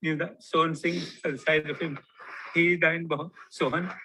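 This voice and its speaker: At a fairly slow pace, a man talks in a high-pitched voice. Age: 80s+. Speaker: elderly resident with neighbour dispute. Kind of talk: interview.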